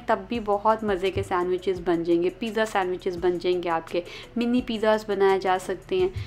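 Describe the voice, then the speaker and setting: A woman hosting a cooking channel, talking viewers through a recipe in a chatty, explanatory voice-over. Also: mid-range voice.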